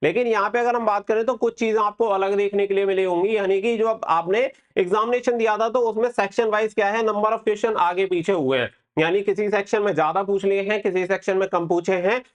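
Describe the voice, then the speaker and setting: A man's voice: high voice, steady tone, brisk, few pauses. A man hosting an exam-prep update, explaining things to students step by step and repeating key points. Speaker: exam-prep channel host.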